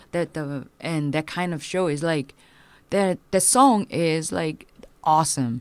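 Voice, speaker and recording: A woman with a Korean accent speaks very slowly in a very deep, low voice with lively intonation, in a very clean recording with a silent background. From South Korea. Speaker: punk musician and tattoo artist. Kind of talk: casual interview.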